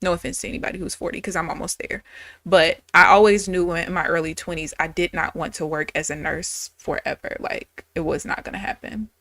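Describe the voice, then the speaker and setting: A woman's voice: fairly low pitch, fairly even intonation, brisk, a bit bright, no room sound. A woman in her thirties, a day trader chatting candidly and casually with viewers on a live stream. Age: 30s.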